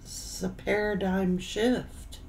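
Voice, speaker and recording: Slow, halting middle-aged woman reading tarot. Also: mid-range voice, little pitch movement, gravelly, darkish tone, a little hiss or hum. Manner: halting, broken phrases with repeats. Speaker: tarot reader. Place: indoor room, seated at a table.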